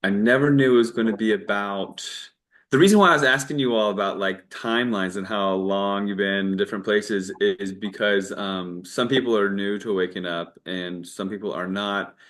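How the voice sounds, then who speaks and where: A documentary filmmaker from Virginia, speaking with an American accent, chats casually as an interview guest, meandering and making false starts. His voice is fairly low and fairly bright, at a normal speed.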